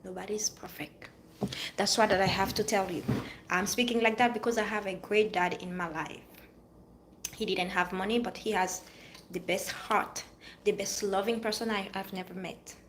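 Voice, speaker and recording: A woman's voice: medium pitch, fairly even intonation, moderate pace, a little hiss or hum. A woman with a Haitian-French accent, giving an earnest motivational talk to viewers and repeating her phrases for emphasis. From Haiti or France. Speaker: vlogger giving life advice. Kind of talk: motivational monologue.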